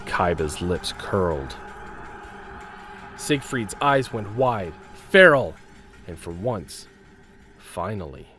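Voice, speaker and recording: A man's voice: deep voice, very animated, takes it slowly, long pauses, very noisy. A man narrating a scripted audio drama with intense, suspenseful delivery, broken phrase by phrase.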